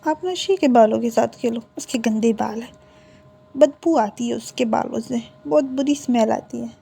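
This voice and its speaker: A woman with a hoarse throat voicing a pampered, sulky little girl who whines and pouts. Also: fairly high pitch, normal speed, dark tone. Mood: sulky pouting. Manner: whining, pouting pleas.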